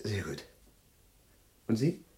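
A fumbling, absent-minded old professor. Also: male voice, lowish voice, very animated, slow, warm tone. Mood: probing. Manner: hesitant, fumbling for words. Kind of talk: radio play acting.

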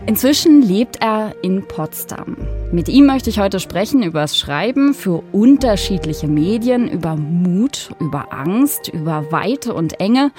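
A woman hosting a radio interview, speaking in a measured, clear and articulate way. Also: mid-range voice, expressive, darkish tone, faint music behind. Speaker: radio host. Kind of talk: radio interview, scripted introduction.

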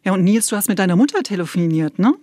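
A woman's voice: mid-range voice, expressive, fast, heavy background noise. Woman hosting a radio podcast. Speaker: podcast host. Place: radio studio. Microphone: studio microphone.

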